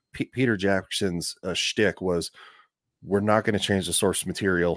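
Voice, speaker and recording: A man with an American accent and a fairly low pitch is heard in a dry, close sound with no echo on a very clean recording with a silent background. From Colorado. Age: 30s. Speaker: army veteran and podcaster. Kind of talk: casual chat. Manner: hesitant, many fillers.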